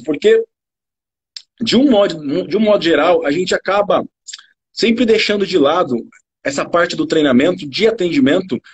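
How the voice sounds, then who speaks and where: Brazilian male service trainer, husky voice, hammers points home through repetition. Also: high-pitched. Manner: earnest, repeats key words for emphasis. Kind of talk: direct-to-camera coaching talk.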